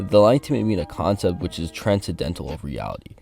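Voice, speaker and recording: Background music is playing. Over it comes very fast speech with ordinary pitch variation. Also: man. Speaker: anime powerscaling commentator. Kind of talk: versus debate commentary video.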